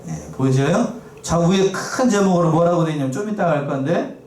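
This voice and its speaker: A man's voice: on the high side, a little fast, a little mellow, a little hiss or hum. A man preaching a sermon as pastor, asking the congregation questions and reading scripture aloud. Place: church sanctuary. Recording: echoey church, mic at a distance.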